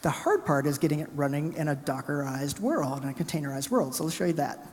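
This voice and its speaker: Fast-talking man presenting in a hall. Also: fairly high pitch. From Alabama, US South. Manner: fast, energetic, chatty presenter narrating his screen. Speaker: conference speaker. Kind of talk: live tech conference talk with coding demo. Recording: hall reverb from a conference room.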